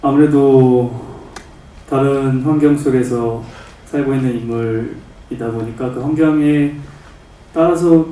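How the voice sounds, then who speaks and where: An actor answering at a press conference in an earnest, measured way. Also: male voice, medium pitch, fairly even intonation, warm tone, a little hiss or hum. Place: cinema press conference hall. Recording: echoey hall from far off.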